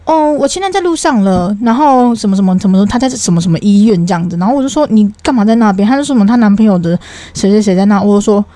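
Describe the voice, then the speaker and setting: Fast-talking young woman. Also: medium pitch, no echo. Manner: animated, swearing, exasperated retelling. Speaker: podcast co-host. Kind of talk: casual storytelling chat.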